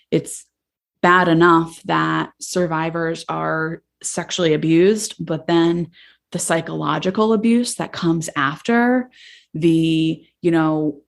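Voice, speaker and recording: Woman therapist on a podcast, fired up and loud, lots of vocal fry. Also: sits low. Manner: passionate, voice carries loudly. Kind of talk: casual podcast talk.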